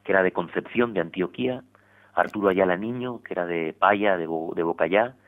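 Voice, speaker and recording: A deep-voiced male priest is a guest on religious radio, heard over a tinny line. He talks in a measured, explanatory way during the interview, often adding tag questions.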